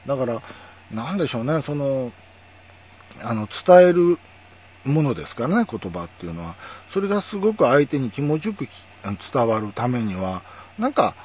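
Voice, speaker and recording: A man's voice: medium pitch, sing-song, normal speed, darkish tone, slightly rough. A man talking in a casual, musing monologue, full of fillers and asides. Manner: chatty, musing, lots of fillers. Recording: dull lo-fi audio.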